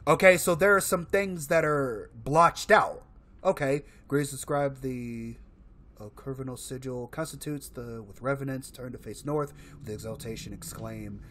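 A man in his thirties giving casual, expressive commentary as he plays and reads aloud from a video game. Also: mid-range voice, measured pace. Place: indoor room, solo gaming setup.

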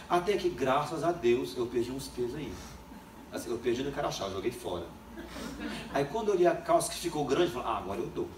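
A man's voice: mid-range voice, background noise. A young adult man preaching a sermon, telling a funny childhood story and acting out the voices in it. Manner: humorous storytelling, acts out quoted voices. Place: church hall. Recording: echoey church hall, distant mic.

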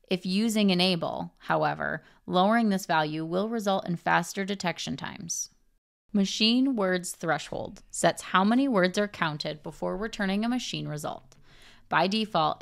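Tutorial presenter: young woman, lowish voice with vocal fry, measured scripted technical read.

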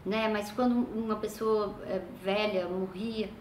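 An older woman with a Brazilian accent, casually telling family stories and often trailing off into soft, low asides. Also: little pitch movement, a little slow, a little hiss or hum. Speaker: vlogger. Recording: echoey room with faint ambience.

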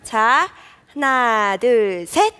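A woman's voice: fairly high pitch, big pitch swings, extremely slow, heavy background noise. A woman comedian performing a staged sketch with exaggerated girly chatter.

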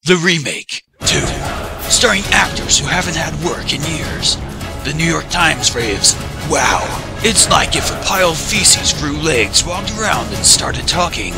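Gravelly movie-trailer announcer, over music. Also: male voice, on the high side, expressive, a little slow. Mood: bombastic, dramatic. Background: loud music.

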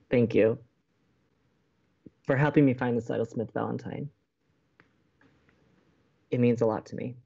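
A man's voice: medium pitch, steady tone, takes it slowly, gravelly, pauses often, mellow, husky, highs cut off, exaggerated voice. A man playing an earnest, hesitant young college radio co-host with a romantic streak in an audio drama. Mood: tender. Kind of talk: naturalistic audio drama dialogue.

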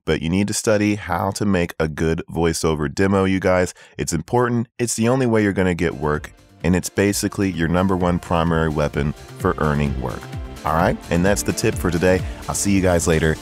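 A man's voice: low voice, brisk, faint music behind. A man hosting a casual tips video for beginners, emphatic and repeating his points for stress. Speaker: voice acting tips host.

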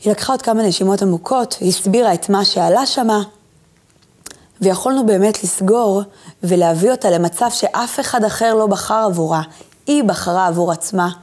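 At a medium pitch, a woman offers an encouraging lecture on self-image. She talks right to the viewer, gently coaching her through breathing exercises.

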